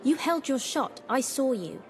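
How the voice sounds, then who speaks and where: An actress playing a sharp, suspicious young woman marksman who speaks bluntly and insistently. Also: high-pitched, lively intonation, a little slow, faint music behind.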